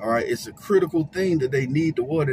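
The sound of this man's voice is dry, with no echo. Noticeable background noise is present. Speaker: religious commentator. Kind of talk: commentary with scripture reading. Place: car. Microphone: phone near.

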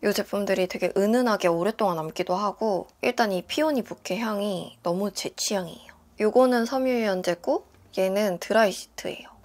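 A woman talks at a moderate pace in a medium pitch, her pitch varying in an ordinary way. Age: 20s. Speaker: beauty and lifestyle YouTuber; lifestyle vlogger. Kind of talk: product review vlog. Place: home room. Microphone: lapel.

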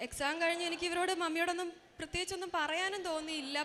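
A woman's raised, projected voice over noticeable background noise. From Kerala, India (Changanassery). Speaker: paediatric doctor. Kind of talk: testimony.

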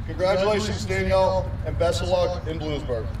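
A man speaks at a fairly quick pace. Music can be heard behind him. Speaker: event announcer. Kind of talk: formal announcement reading. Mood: warm, celebratory. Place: stadium.

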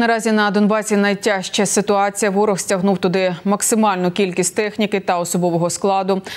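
A woman at medium pitch speaks fairly quickly in a flat monotone, her loudness very even and her pauses almost nonexistent. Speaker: news anchor. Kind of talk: news reading. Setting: studio. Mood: serious formal news tone. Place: studio.

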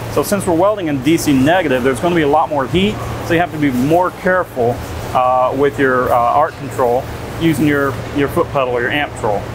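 A male speaker keeps his volume very consistent and moves fairly briskly while noticeable background noise continues. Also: ordinary pitch variation. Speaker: welding instructor. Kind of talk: tutorial. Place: workshop. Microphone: lapel.

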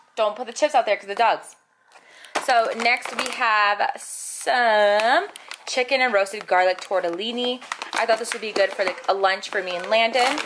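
Fairly high-pitched woman at a moderate pace, ordinary pitch variation, noticeable background noise. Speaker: lifestyle vlogger, mother of two; vlogger. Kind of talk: casual vlog, product haul. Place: kitchen. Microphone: phone near.

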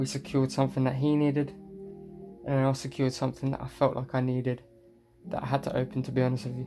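The speech comes at a very fast pace. Music is clearly audible in the background. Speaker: card collector channel host. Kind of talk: casual vlog chat. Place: home room. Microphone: phone near.

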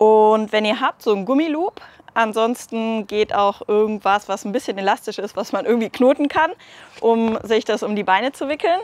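Delivered at a moderate pace with ordinary pitch variation, the voice has a dry sound with no echo. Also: woman. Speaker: fitness trainer. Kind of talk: workout tutorial intro. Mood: friendly, upbeat. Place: open country. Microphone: lapel.

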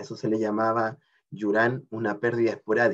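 A man speaks at a moderate speed, the background around him quiet. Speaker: lecturer. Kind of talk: lecture. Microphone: webcam.

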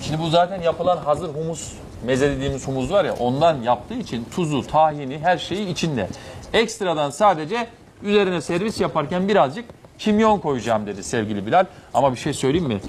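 Light background noise sits behind a man whose pitch swings very widely. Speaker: TV chef host. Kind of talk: TV cooking show talk. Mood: warm, friendly. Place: studio. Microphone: lapel.

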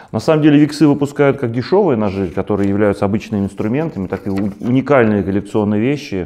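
Very fast speech with lively intonation and a dark, mellow tone. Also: man, fairly low pitch for a man. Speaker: knife channel host. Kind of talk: casual interview chat. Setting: studio.

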